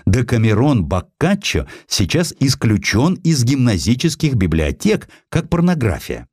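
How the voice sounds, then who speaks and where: A man playing an earnest, burdened historian officer, measured and reflective, in a dramatized audiobook. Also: medium pitch, big pitch swings, darkish tone, no echo, studio quality, pitched above the performer's own voice. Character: earnest, burdened male historian colonel, polite and candid.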